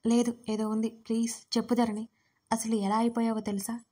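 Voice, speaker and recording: A woman's voice: on the high side, flat delivery, moderate pace, warm tone, husky. A woman voicing a worried young woman who presses her crying friend with questions.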